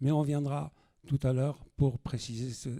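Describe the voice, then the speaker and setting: At a fairly slow pace, a man speaks at a medium pitch with a somewhat breathy, dark, mellow tone and fairly even intonation, the sound dry and close with no echo. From Algeria. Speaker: war veteran. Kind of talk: testimony. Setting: school panel with audience.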